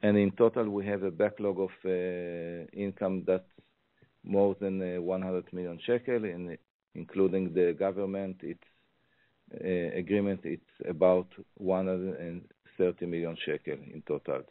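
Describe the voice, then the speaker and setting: A man with an Israeli accent answers on an earnings call as a finance executive, phrasing things haltingly. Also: sits low, steady tone. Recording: muffled, tinny phone conference line.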